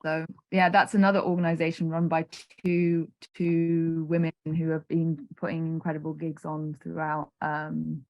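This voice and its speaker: A woman's voice: low-pitched, flat delivery, moderate pace, hardly any pauses, lo-fi sound. A young woman from Carlisle, answering casually as a musician guest. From Carlisle, Cumbria, England. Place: online video call.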